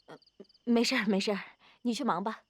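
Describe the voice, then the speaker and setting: An actress playing an inquisitive, insistent police secretary in a Chinese period TV drama, pressing with questions. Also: female voice, a little high, a little fast, no room sound, natural voice. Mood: hesitant.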